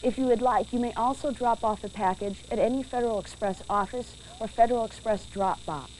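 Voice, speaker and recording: A woman narrates a training video in a clear, measured, instructive voice that sits slightly high. The sound comes from a worn VHS tape copy, with a faint hiss behind her. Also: a little mellow, poor audio.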